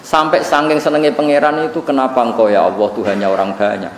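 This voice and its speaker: A man's voice: medium pitch, flat delivery, quick pace. A man from Central Java with a Javanese accent, teaching Quran commentary as a cleric, telling stories animatedly with chuckling asides. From Central Java, Indonesia. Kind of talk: religious study lecture. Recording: roomy, distant recording with faint hum.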